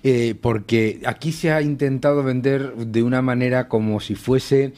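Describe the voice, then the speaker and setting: A man commenting on a radio panel, explaining in a measured way. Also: medium pitch, fairly even intonation, mellow.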